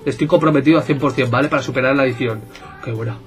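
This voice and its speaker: A man with a Spain Spanish accent, giving excitable, jokey gameplay commentary and bantering with his viewers. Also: medium pitch, racing, soft background music. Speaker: gaming YouTuber.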